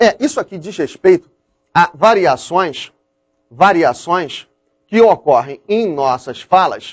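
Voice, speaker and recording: A man speaks very slowly in a high voice with lively intonation. Long pauses come often. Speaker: online course teacher. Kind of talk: lecture. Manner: conversational, many fillers (né, tá).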